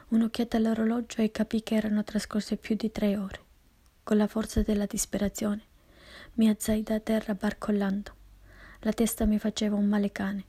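Woman reading in a husky whisper. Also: mid-range voice. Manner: hushed, intense, mostly unvoiced whisper. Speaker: narrator. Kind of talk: whispered first-person story reading.

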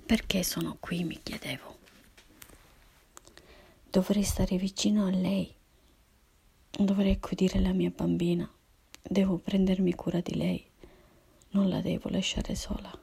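Breathy whispering woman, gravelly edge. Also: fairly low pitch, flat delivery, a little slow, long pauses, dark tone. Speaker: narrator of a personal story. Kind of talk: whispered first-person narration.

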